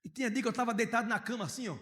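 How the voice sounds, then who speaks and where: High-voiced preacher in an echoing hall. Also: male voice, rapid-fire. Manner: lively preacher, shifting from hushed storytelling to loud outcries. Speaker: pastor. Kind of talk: sermon with personal storytelling. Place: church hall. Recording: long reverb of a church hall.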